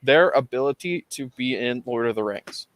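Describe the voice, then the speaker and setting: Joking podcast host, dry close sound. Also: male voice, mid-range voice, moderate pace, dry recording. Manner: joking, laughs often, deadpan list reading. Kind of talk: casual comedy chat.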